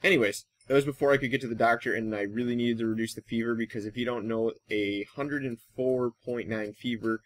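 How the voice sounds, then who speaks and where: Halting, rambling male gaming commentator. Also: medium pitch, steady tone. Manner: halting, thinks aloud, trails off. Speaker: gaming channel host. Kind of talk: casual rambling Let's Play commentary.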